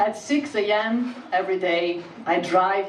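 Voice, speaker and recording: A woman with an Italian accent, amid audible room echo and noticeable background noise. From Italy. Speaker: poet. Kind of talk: poetry reading. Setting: stage with audience.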